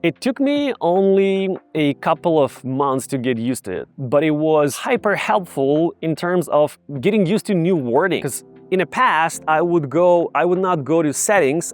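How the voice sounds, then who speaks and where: A man's voice: on the high side, clear, resonant tone. A man from Ukraine with a Ukrainian accent, casually teaching viewers to camera in an upbeat, direct way. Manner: upbeat, direct, addresses viewers as "you guys". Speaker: English tutor.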